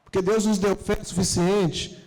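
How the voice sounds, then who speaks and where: A Brazilian pastor with a high-pitched voice preaches fervently, telling his story and calling out to the congregation again and again. He speaks with a Brazilian accent. The recording carries the long reverb of a church hall. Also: level tone, unhurried, a little mellow. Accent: Brazilian Portuguese. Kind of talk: sermon.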